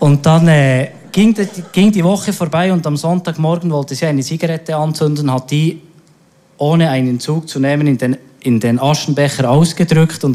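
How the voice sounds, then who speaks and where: Dark and mellow in tone, a man with a fairly high pitch speaks at a moderate pace with ordinary pitch variation. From Switzerland, Bernese Oberland (Kandersteg). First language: Swiss German (speaking German). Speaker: churchgoer sharing his story. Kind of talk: testimony. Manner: halting.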